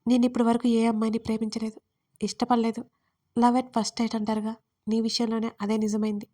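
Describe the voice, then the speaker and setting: A persistent young man in love, coaxing and insistent, read by a woman storyteller in an audio story. The voice sits fairly high and stays flat in its melody. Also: a little fast, lightly acted. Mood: tender insisting.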